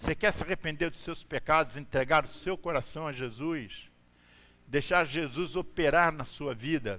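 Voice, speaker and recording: On a very clean recording with a silent background, a man talks at a moderate pace with a fairly high pitch and a bright, sharp tone. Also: ordinary pitch variation. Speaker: pastor. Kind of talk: sermon. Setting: church.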